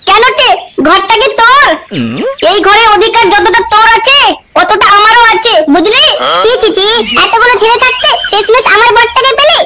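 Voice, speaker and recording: Bengali woman, very high and brash, quarrelsome cartoon dubbing, loud hiss over the track. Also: normal speed. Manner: brash, scolding, cursing. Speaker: cartoon voice performer. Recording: loud constant background noise.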